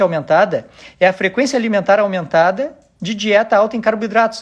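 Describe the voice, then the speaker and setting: A man speaks with a high pitch and ordinary pitch variation. His tone is animated. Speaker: doctor giving health talk. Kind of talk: live-stream lecture. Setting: live stream. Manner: fast.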